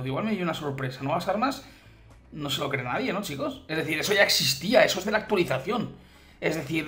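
A man from Spain with a Spain Spanish accent, giving excited reaction commentary on a game update and calling out to his viewers. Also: a little high. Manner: excitable, exclamatory, keeps addressing viewers as guys. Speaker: gaming YouTuber.

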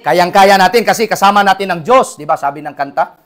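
A Filipino man preaching a sermon in church, swinging between loud exhortation and quiet talk and calling for amens. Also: sits high, fairly quick. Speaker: pastor. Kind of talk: preaching sermon, Tagalog-English mix. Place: church in Hong Kong.

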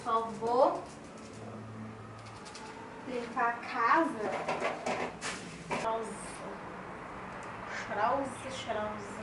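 A woman's voice: a little high, extremely slow, long pauses, heavy background noise. Young Brazilian woman vlogging while cleaning. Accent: Brazilian Portuguese, Minas Gerais. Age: 20s. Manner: chatty, talks to viewers while cleaning. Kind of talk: casual cleaning vlog chat. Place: apartment kitchen and terrace, indoors.

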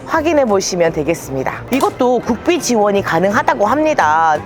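Woman doing an on-site vlog report, really animated voice, music playing behind her. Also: mid-range voice. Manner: reactive, quick to interject in agreement. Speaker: vlog host. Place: large indoor exhibition hall with demo booths. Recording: music behind, busy exhibition venue.

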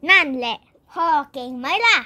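A woman's voice: high-pitched, lively intonation, moderate pace, sharp tone, full character voice. A young girl voicing a boastful, goofy, playful dad in a game roleplay.

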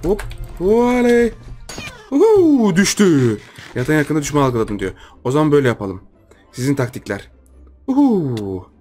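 A man's voice: mid-range voice, expressive, quick pace, faint music behind. A young man with a Turkish accent giving playful, teasing live commentary over his own gameplay, often repeating his phrases. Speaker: gaming YouTuber.

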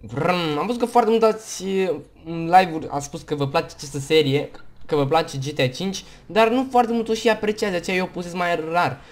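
A gaming YouTuber with a Romanian accent chats through casual gameplay commentary on a headset mic at home. His voice is a little high with fairly even intonation. Tired and hiccuping, he rambles on, talking in bursts between hiccups.

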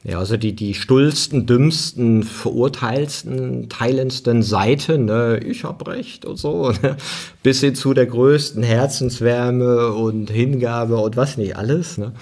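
A man who leads seminars, talking thoughtfully in a relaxed conversation and often ending phrases with a questioning tag. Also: medium pitch, measured pace. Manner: thoughtful, tags sentences with "ne". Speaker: seminar leader. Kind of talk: reflective conversation.

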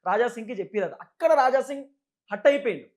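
Very high-pitched, fast-talking Telangana Telugu man. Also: animated. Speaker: political commentator. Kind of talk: unscripted political news commentary.

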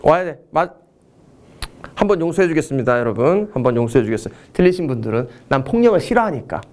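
Lively joking male history lecturer. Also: a little high, quick pace. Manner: animated, joking, swings between loud and mumbled asides. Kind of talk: exam prep lecture.

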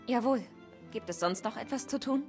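A woman's voice: a little high, normal speed, darkish tone, lightly acted. A woman voicing Theresa, a dutiful young village woman. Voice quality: firm, scolding toward lazy brother. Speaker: game character. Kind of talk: video game voice acting. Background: game music.

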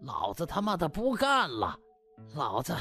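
A man's voice: a little high, wildly swooping pitch, a little slow, pushed and bright, faint music behind, exaggerated voice. A man voicing a proud, defeated older hospital director in an audiobook, glowering and curt with anger. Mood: defiant fury. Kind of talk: audiobook character acting.

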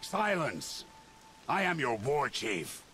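An actor playing a bitter, contemptuous tribal war chief in a video game, scornful and commanding. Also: male voice, medium pitch, big pitch swings, takes it slowly, bright, forceful tone, slight background noise, heavily acted. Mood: commanding, resentful. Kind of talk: dramatic video game dialogue.

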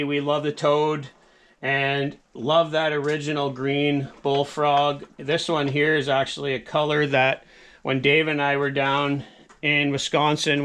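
Bright-voiced chatty fishing host. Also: male voice, fairly high pitch, smooth. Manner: chatty, rambling, enthusiastic. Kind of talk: casual show-and-tell walkthrough. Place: small indoor man cave packed with lures.

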